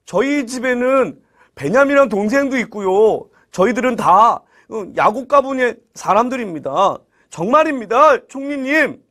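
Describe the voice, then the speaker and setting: The frightened older brothers beg in a raised, desperate voice, as a man puts them on. The pitch climbs high and swings widely. It belongs to a children's Bible story told with lots of expression. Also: animated, moderate pace, a bit bright. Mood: pleading.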